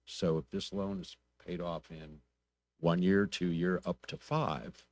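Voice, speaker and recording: A low-pitched male council member speaks at a public meeting. He is plainspoken and deliberate, putting probing questions one step at a time. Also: steady tone.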